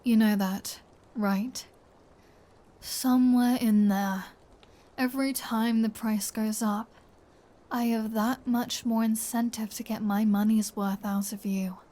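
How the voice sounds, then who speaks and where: A woman's voice: fairly high pitch, fairly even intonation, slow, warm tone. A woman voicing a flirty, menacing vampire in an intimate ASMR roleplay, teasing and sardonic, often slipping into a whisper. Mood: teasing menace. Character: flirty, menacing female vampire taunting her captive hunter.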